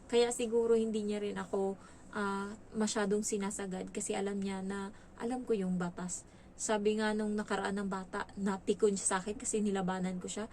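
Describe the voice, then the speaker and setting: A woman from the Philippines working as a domestic helper, telling her story in a casual, lively way, acting out quoted dialogue and mixing in English words. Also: mid-range voice, moderate pace, a little hiss or hum.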